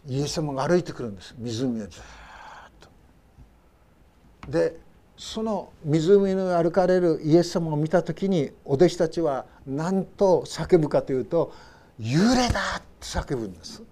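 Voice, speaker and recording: At a moderate pace, a male pastor tells his Sunday sermon like a story, voicing the cries of its characters and sinking into quiet, low asides at the close of phrases.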